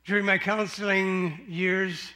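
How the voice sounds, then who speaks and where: An older man preaching as a pastor, telling counseling stories in an earnest, unhurried way and praying softly. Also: high-pitched, steady tone. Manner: earnest, unhurried storytelling with soft-spoken prayer. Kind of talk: sermon.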